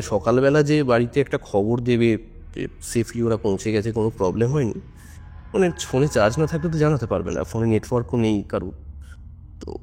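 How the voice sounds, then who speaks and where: A man's voice: medium pitch, a little mellow, a little hiss or hum. A man telling a story in an informal, conversational and suspenseful way, as on a ghost story podcast. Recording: music under the voice. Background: background music.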